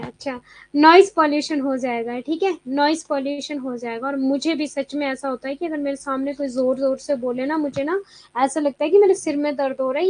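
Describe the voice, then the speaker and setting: A woman's voice: sits high, darkish tone. A young woman teaching a live online exam class in a chatty way, mixing in English terms and answering students' comments as she goes.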